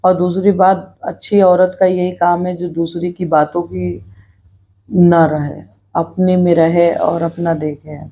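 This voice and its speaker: Speaking her mind to viewers, this middle-aged vlogger is earnest and reflective, circling back to repeat herself. She talks slowly in a flat, dark-toned voice that sits on the low side.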